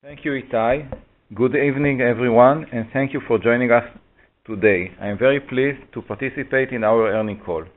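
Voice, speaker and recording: A man with a mid-pitched voice reads a financial presentation in a formal, orderly way. His voice comes through a narrow, tinny phone line. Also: brisk, a little hiss or hum. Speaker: finance executive presenting results. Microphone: conference call phone line.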